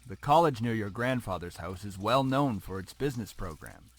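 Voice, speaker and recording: A man's voice: on the low side, animated, moderate pace. A man voicing a stern, short-tempered businessman father in a story game, clipped and condescending. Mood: curt, condescending.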